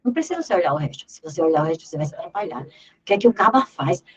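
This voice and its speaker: A woman's voice: on the low side, sing-song, racing, husky, lo-fi sound. A woman teaching an exam review lesson in Portuguese grammar, emphatic and repeating key words as she drills terms aloud.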